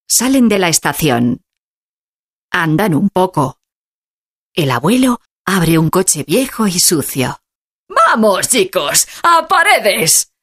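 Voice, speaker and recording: A woman narrating a story slowly and clearly for language learners, with expressive, deliberate reading. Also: lowish voice. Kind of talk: slow scripted story narration for Spanish learners.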